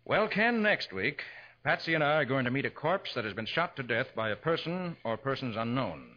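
An American actor playing a confident private detective in 1940s radio drama style, explaining things in an assured way. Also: male voice, mid-range voice, sing-song, moderate pace, pushed and bright. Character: confident male private detective, explaining how he solved murders. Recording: dull 1940s radio recording.

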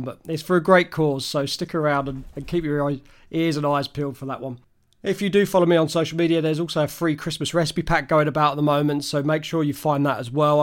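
A man hosting a podcast, his voice slightly croaky, talking in a chatty, upbeat way. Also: a little high. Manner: chatty, upbeat, friendly promotional. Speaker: podcast host. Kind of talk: casual solo wrap-up talk.

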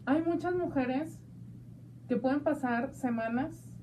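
A woman's voice: high voice, slow pace, warm tone, far from the mic, a little hiss or hum. Playful Mexican woman hosting a talk show. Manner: chatty and playful, calls listeners "hija de mi vida". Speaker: radio show host. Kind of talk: casual talk show chat.

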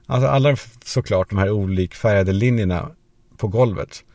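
A man's voice: on the low side, darkish tone, dry recording. A man hosting a podcast, telling a rambling, crude comic story as a monologue and acting out the voices of the people in it. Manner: rambling, crude anecdotal humor; acts out quoted voices. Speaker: podcast host.

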